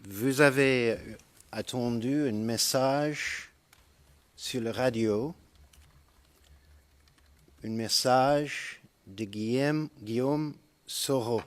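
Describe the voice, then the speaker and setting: A man's voice: medium pitch, very slow, pauses often. A man cross-examining a witness in a courtroom, asking pointed leading questions.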